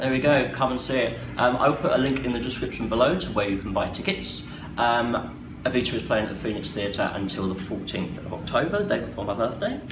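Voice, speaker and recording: A man speaks at a medium pitch with lively intonation and a fairly quick pace. Noticeable background noise runs behind him. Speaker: theatre vlogger. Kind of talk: casual interview. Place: home room. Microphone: lapel.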